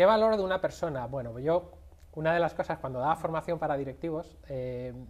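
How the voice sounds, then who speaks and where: The intonation is lively. The pace is moderate. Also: man. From Spain, Toledo province (Castilla-La Mancha). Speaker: health coach and biohacker, aerospace engineer. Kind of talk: interview. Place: studio. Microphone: lapel.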